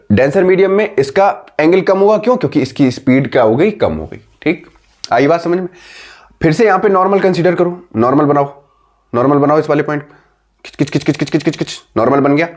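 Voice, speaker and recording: A man's voice: on the high side, animated, darkish tone. Guy teaching class physics, voice goes up and down a lot, keeps quizzing the kids. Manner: repeats key terms, asks students questions, dictates notes slowly; calls students "बेटा", "बच्चों". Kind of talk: classroom lesson.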